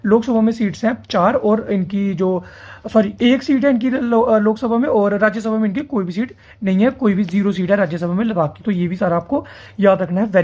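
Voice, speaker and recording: A man teaching competitive exam quiz questions in a brisk, repetitive style. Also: high-pitched, a little mellow. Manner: quick, repeats key answers with emphatic checks. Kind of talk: quiz lesson explanation. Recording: dull lo-fi audio.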